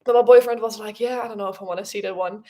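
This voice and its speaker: A woman's voice: medium pitch, steady tone, racing, dark tone. A young woman whose first language is Dutch, chatting casually and rambling with many fillers as host of a livestream podcast.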